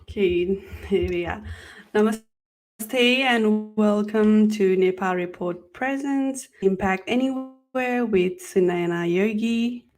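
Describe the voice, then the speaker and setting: A woman's voice: mid-range voice, slow. Woman hosting an online interview show. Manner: warm welcoming, hesitant with fillers. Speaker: host.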